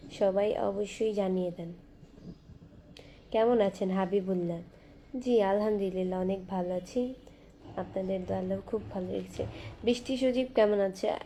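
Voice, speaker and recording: A young woman hosting a casual live stream from her phone, reading viewer comments aloud and chatting back in a soft, quiet voice. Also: mid-range voice, slight background noise. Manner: soft-spoken, talking quietly and slowly. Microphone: phone camera.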